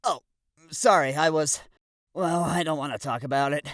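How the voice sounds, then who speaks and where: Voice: medium pitch, moderate pace, a bit bright, close to an everyday voice. An actor voicing a surly, brooding, exasperated boy rival in a fan parody cartoon, sullen and snappish. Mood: sullen, guarded.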